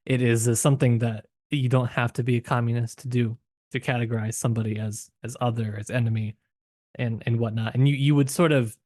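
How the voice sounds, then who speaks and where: A man hosting a podcast, talking casually about literature in a halting, thinking-aloud way with trailing qualifications. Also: mid-range voice, fairly even intonation, darkish tone, dry recording, studio quality. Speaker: podcast host.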